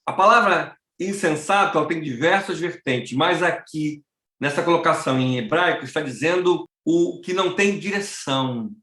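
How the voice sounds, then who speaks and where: Male pastor, high and bright, lively storytelling sermon; echoey church. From Nova Iguaçu, Rio de Janeiro. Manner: animated, acts out dialogue. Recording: roomy echo.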